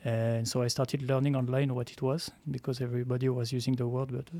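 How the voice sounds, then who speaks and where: Flat, mellow-voiced French man. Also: medium pitch. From France. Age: 30s. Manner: measured, laughs at his own remarks. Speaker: startup co-founder. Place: studio.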